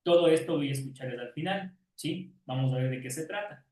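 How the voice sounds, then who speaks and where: A man's voice: mid-range voice, brisk, darkish tone. A male teacher giving an online class lecture, often checking in with questions and calling on students by name. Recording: roomy echo, distant from mic.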